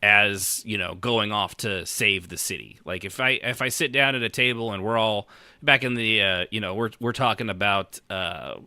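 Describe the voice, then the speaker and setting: A man's voice: fairly low pitch, moderate pace, pushed and bright, dry recording. A middle-aged man in casual podcast conversation as host, rambling and interrupting himself as he thinks aloud.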